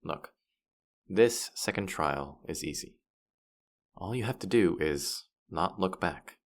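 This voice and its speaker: Casting: man to play boastful, teasing male demon guide for fantasy audio drama; low, creaky voice, patronising air. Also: expressive, takes it slowly, heavily acted. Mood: coaxing, guiding. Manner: condescending, playful, exasperated. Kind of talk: roleplay audio drama, addressing the listener.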